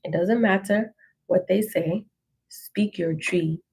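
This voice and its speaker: A woman teaches a relaxed language lesson and repeats each phrase so learners can follow along. Her voice is mellow and a little husky, and she speaks at an unhurried pace. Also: fairly low pitch. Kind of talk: relaxed language lesson, reading through an ebook.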